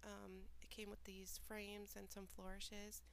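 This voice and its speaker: A woman with a stuffy, nasal cold, calmly talking through the steps of a craft tutorial in a voiceover. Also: mid-range voice, unhurried, vocal fry, slight background noise. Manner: relaxed, plain step-by-step explaining with small asides. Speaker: mixed media artist. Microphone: home voiceover recording.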